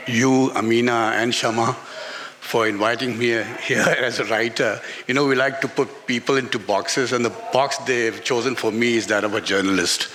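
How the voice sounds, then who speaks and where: A man of medium pitch speaks as a guest author on stage. He tells a personal story candidly and reflectively, often halting and hesitating as he finds his words. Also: fairly bright tone. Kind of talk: candid personal storytelling at a live book talk. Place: literature festival stage before an audience.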